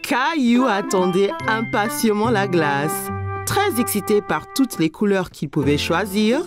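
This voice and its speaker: A woman reading scripted narration for a children's story, telling it clearly for young listeners. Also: mid-range voice, animated, a little slow, music in the background.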